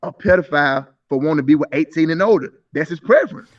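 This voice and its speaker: A man's voice: on the high side, expressive, fast talker. A man in his thirties arguing insistently in a live stream debate, stumbling through repeated restarts. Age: 30s. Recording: muffled voice from a distance.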